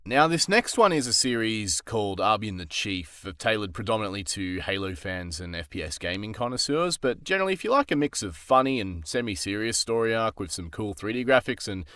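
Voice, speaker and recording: A man gives a casual vlog update as a voice actor. His voice is very low, with a dry, close sound. The delivery is conversational. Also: very animated, a little fast, few pauses, bright, forceful tone, smooth, no echo. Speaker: voice actor presenting his work.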